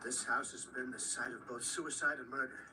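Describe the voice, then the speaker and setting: An actor playing an ominous, declamatory Catholic priest confronting evil in a radio drama. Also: male voice, mid-range voice, fairly even intonation, brisk, background noise, lightly acted. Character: commanding male Catholic priest facing evil. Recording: distant replay over loud music.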